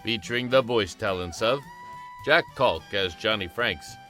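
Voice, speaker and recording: A man's voice: fairly low pitch, a little slow, bright, forceful tone. A man reading scripted audio drama credits as an announcer. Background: faint music.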